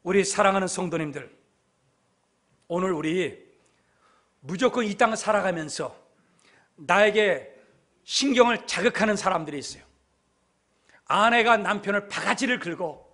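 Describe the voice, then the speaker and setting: A man preaching a sermon with a notably high voice. He tells stories emphatically, dropping soft and then rising loud as a pastor drives his point home. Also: moderate pace, long pauses.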